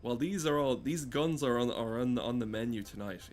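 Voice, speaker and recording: A man giving rambling, sweary comedic game commentary in a halting, deadpan way. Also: mid-range voice, slight background noise. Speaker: gameplay streamer.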